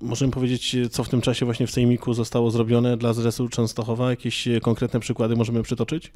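A man's voice: mid-range voice, completely flat delivery, fast talker, dark tone. A young man, a reporter, asking pointed and persistent interview questions in a small office on a handheld mic. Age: young adult. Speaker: radio reporter.

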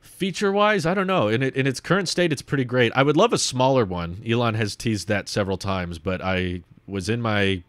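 A man's voice: medium pitch, brisk, dry recording. A young man talking casually and thinking aloud as he hosts a stream, reading and answering comments into a close desk microphone. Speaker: video host reading and answering viewer comments. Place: small home room set up as a streaming studio, indoors. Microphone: desk microphone on a boom arm, close.

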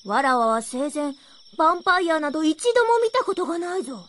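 An actress playing a haughty, hot-tempered young princess with imperious, old-fashioned noble phrasing in a Japanese radio drama. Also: female voice, high voice, big pitch swings, fast talker, a bit bright, slight background noise. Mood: indignant, curious.

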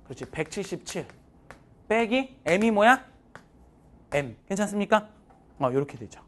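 A man's voice: high-pitched, very animated, measured pace, fairly bright tone. A man in his thirties teaching math to a live class, joking with students and mixing casual and polite speech.

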